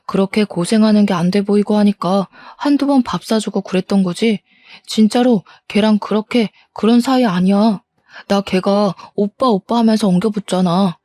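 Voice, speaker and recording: A woman's voice: mid-range voice, moderate pace, dark tone, dry recording, studio quality, natural voice. A woman voicing a cheating middle-aged husband who turns the blame on his wife. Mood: pleading. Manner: dismissive, scolding.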